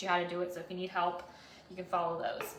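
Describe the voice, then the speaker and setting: Room echo can be heard around a woman's voice. Background noise is also noticeable. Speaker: chef and nutritionist. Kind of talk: live cooking tutorial. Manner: fast; high energy.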